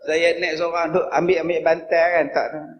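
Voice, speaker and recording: A man with a northern Malay dialect giving a humorous religious lecture as a preacher, telling stories with sudden loud high bursts. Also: flat delivery, fairly quick, slight background noise.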